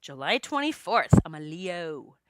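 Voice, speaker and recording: A woman in her late forties hosting a solo podcast, talking in a chatty, expressive way and joking with her listeners. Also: fairly low pitch, measured pace, no echo. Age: 40s. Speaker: podcast host and psychic medium.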